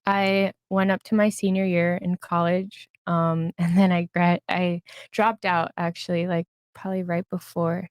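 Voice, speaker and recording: A woman's voice: lowish voice, flat delivery, unhurried, few pauses, clean tone. A woman in her twenties from New York, a podcast guest giving confident, sassy answers. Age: 20s. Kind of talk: casual interview answers.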